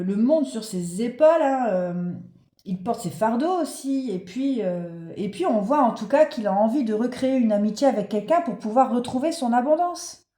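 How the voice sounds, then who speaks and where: A woman with a sore throat and a stuffy cold talks her viewers through an oracle card reading, loose and chatty, full of little fillers and asides. Her tone is mellow and soft-edged. The room around her sounds echoey. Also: on the high side. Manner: chatty, many fillers, addresses viewers directly. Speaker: spiritual card reader. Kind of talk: casual spiritual reading to viewers.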